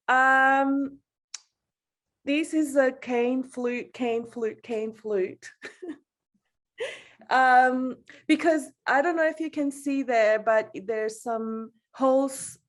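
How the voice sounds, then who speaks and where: A woman from El Salvador with a fairly high voice talks slowly and haltingly about her own work. She is informal and self-deprecating, breaking into small laughs as she goes, speaking over a video call. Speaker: artist giving a talk. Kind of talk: informal personal reflection in an online panel.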